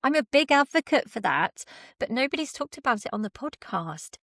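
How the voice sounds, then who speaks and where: A woman's voice: a little high, sing-song, moderate pace, a bit bright, no room sound, clean studio sound. A woman hosting a conversational interview, speaking in an affirming, reflective way. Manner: affirming, reflective, relates advice to herself. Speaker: podcast host, drama coach.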